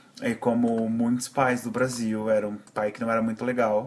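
With a São Paulo accent, a man talks at a fairly slow pace. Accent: Paulistano Brazilian Portuguese. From Brazil, São Paulo city. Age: 20s. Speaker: podcaster. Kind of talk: personal storytelling monologue.

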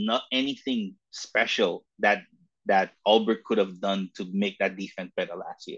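The background is quiet. A man speaks at a moderate pace with lively intonation. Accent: American. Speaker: football podcast co-host. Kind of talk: casual sports podcast chat.

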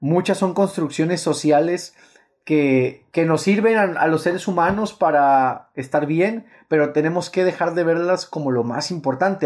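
High pitch and ordinary pitch variation in a man's speech. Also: moderate pace, very clean recording, silent background. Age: 30s. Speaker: radio host and motivational speaker. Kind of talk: interview.

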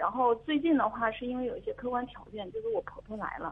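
A woman talks at a fairly quick pace. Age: 30s. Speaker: caller, stay-at-home mother. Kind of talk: phone-in advice call. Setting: phone call. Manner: halting, many fillers.

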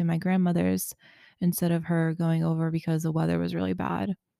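A woman's fairly low, dark and mellow voice at a moderate pace, on a very clean recording with a silent background. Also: dry, close sound with no echo. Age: 20s. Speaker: podcast host. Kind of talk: casual monologue. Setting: home recording. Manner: filler-heavy, chatty.

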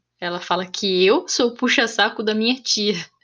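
Fairly high female voice at a fairly slow pace with fairly even intonation. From Brazil, São Paulo. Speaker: podcast host and Portuguese teacher. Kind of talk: language-learning monologue. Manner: slow, clear.

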